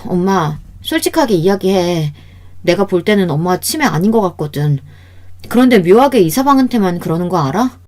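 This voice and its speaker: A woman's voice: fairly low pitch, very animated, normal speed, darkish tone. A woman voicing an earnest, worried daughter. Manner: earnest, questioning.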